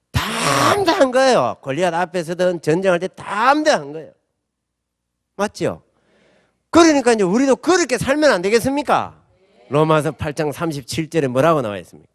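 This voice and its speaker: A middle-aged man pastor, preaching a sermon with animated storytelling and asking the congregation for answers. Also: high-pitched, no room sound, studio quality. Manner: animated storytelling with acted-out quotes; asks the audience call-and-response questions.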